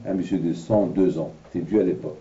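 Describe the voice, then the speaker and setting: Man, rabbi teaching, animated storyteller, distant mic, echoey room. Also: low-pitched, brisk, dull audio. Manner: animated storyteller, acting out voices in his anecdotes. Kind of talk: Torah lesson with personal storytelling. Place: large room at an evening lecture.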